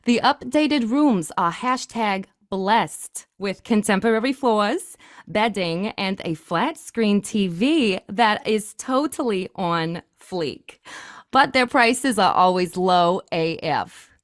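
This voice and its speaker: A woman's voice: mid-range voice, expressive, slow, no room sound, studio quality. A woman playing a brash, upbeat radio DJ with slangy on-air patter. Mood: salesy. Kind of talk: comic radio DJ bit.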